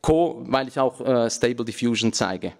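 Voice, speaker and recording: A man in his thirties, a native Aramaic speaker, giving a relaxed conference talk from a lectern with joking asides and frequent filler sounds. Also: mid-range voice, normal speed. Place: large conference hall, at a lectern. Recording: reverberant hall.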